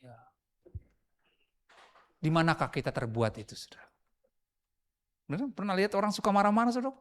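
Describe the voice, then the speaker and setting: Lively male pastor preaching. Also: high-pitched, brisk. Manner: preaching with frequent rhetorical questions to the congregation; lively, shifting between loud emphasis and quiet asides. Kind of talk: sermon.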